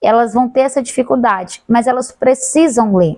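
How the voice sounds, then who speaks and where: Fairly slow speech with ordinary pitch variation. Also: woman. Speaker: teacher. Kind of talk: lecture. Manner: stumbles over words, self-corrects.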